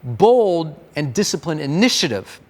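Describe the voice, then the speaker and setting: A man's voice: fairly high pitch, very animated, a little slow, a little mellow, no room sound. A man reading a motivational manifesto in a declamatory way. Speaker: reader.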